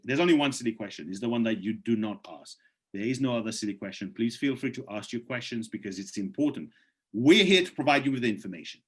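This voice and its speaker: A man hosting a live presentation on a video call, reading out questions from the chat and answering them in a persuasive, urging way, with his voice going hoarse. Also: medium pitch. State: losing his voice.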